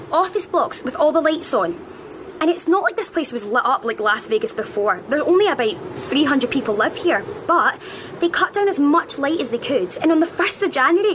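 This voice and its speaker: A woman playing a bossy, chatty schoolgirl vlogger with a British accent in a children's radio drama. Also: high-pitched. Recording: clearly noisy background ambience.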